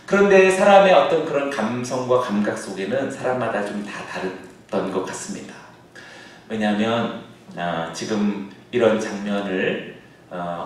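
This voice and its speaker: A male pastor preaching a sermon, now and then bursting into shouted calls as he acts out a scene. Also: lowish voice, a little hiss or hum. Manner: acts out shouted calls across the water, then drops to a soft aside. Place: church sanctuary. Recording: echoey church hall, heard from a distance.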